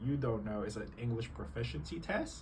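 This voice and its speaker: Recorded with noticeable background noise and audible room echo, a man speaks at a medium pitch with ordinary pitch variation. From Philippines, moved to New Zealand. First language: Tagalog. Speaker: writer. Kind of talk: reading aloud; casual explanation. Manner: hesitant with fillers.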